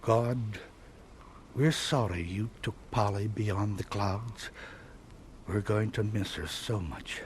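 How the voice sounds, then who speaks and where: An actor playing a grieving, gentle gypsy father in a radio drama, speaking haltingly. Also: fairly low pitch, a little hiss or hum. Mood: hesitant, solemn. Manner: hesitant, halting.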